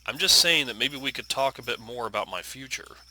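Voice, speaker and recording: Man voicing a sharp, defiant teenage daughter. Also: medium pitch, expressive, fairly quick, low-quality recording. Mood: hesitant, pleading. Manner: earnest, pleading, confrontational. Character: hurt, defiant teenage daughter in a family drama.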